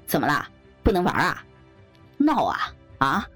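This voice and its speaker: A woman doing a crude, bullying young groom who swaggers and swears, talking in a lowered, husky voice. He sounds coarse and threatening, and the huskiness gives his voice a rough grain. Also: wildly swooping pitch, unhurried, fairly bright tone, soft background music, full character voice. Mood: menacing.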